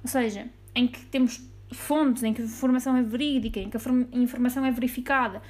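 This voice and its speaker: A woman with a European Portuguese accent hosting a casual solo podcast. She is chatty and playful and laughs easily at her own jokes. Her voice sits a little high. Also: steady tone, fast talker, darkish tone. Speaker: podcast host.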